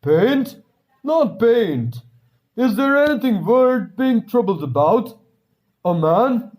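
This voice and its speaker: A man's voice: very high-pitched, very animated, slow, a little mellow, pitched above the performer's own voice, exaggerated voice. A man voicing a busy, blunt, grave male doctor in a story, speaking in an emphatic, brusque manner. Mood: brusque, incredulous.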